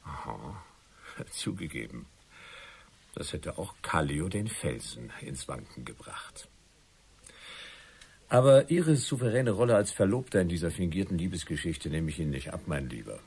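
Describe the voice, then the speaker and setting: An actor playing a shrewd, skeptical investigator who probes drily and in measured phrases in a German radio crime drama. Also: male voice, a bass voice, very animated, gravelly, darkish tone, a little hiss or hum, exaggerated voice.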